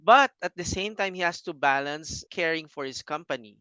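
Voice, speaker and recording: Male guest, slightly high, clean dry voice, earnest explainer. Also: expressive, moderate pace, bright, forceful tone, clear, resonant tone, dry recording. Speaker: banking guest. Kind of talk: casual interview answers.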